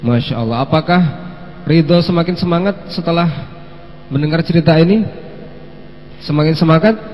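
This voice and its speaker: A man hosting a live-streamed children's story lesson, gently coaxing the kids to answer and sprinkling in Arabic phrases. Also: fairly high pitch, moderate pace. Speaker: children's religious teacher and host. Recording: long hall reverb with faint mains hum.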